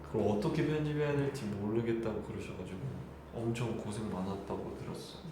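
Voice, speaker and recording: In a fairly low voice and a little fast, a young man in his twenties, an idol hosting a live stream, chats casually and laughs with fans while speaking politely. The recording has heavy echo and clear background noise.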